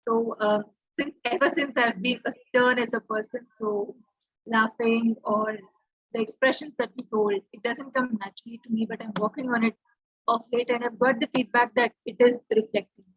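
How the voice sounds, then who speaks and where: Woman on a video call, higher voice, husky, earnest, kinda hesitant, dull dry audio. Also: fairly even intonation, normal speed, no room sound. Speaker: general evaluator at a speaking club. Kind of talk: asking a question on a video call.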